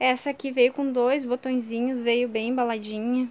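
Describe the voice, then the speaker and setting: The woman's pitch is high. She speaks at a fairly slow pace. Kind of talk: casual tutorial vlog chat. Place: garden. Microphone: phone near.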